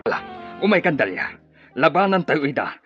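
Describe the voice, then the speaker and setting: A man's voice: on the high side, sing-song, fairly quick, highs cut off, over music. An actor playing a commanding tribal chief and father in an Ilocano-accented radio drama, theatrical and authoritative. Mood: resolute. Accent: Filipino, Ilocano.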